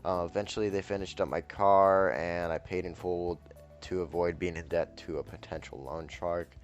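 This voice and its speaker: A man telling a personal story in a flat, deadpan monotone, with soft music playing behind him. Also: deep voice, normal speed, dull audio. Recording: faint background music.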